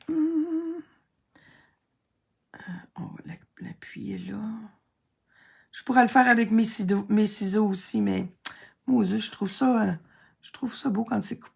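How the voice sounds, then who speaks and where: Slow, gravelly Québécois woman crafting. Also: mid-range voice, darkish tone. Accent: Québécois French. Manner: chatty, self-deprecating, thinks aloud while working. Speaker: card-making crafter. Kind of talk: casual craft tutorial narration.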